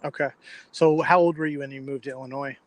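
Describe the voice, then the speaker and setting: A man's voice: mid-range voice, fairly even intonation, fast talker, dry recording. A young American man in his twenties from Florida, hosting a casual podcast chat and interviewing a guest. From Florida, United States.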